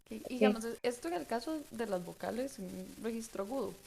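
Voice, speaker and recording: A woman's voice: on the high side, expressive, quick pace, gravelly, a crowd in the background. A woman interviewer asking curious questions over a video call, thinking aloud as she goes.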